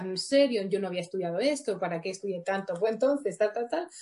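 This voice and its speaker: A woman's somewhat breathy voice, lively in intonation and fairly quick in pace. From Madrid, Spain. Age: 30s. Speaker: beauty entrepreneur. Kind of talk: casual interview.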